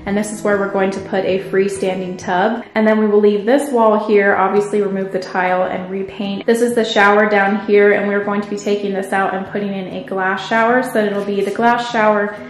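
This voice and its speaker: A woman's voice: medium pitch, flat delivery, fairly quick, few pauses. A woman giving a casual, enthusiastic house tour as a home renovation vlogger, recorded inside an empty house. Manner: upbeat, enthusiastic. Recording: echoey empty rooms, music underneath. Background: background music.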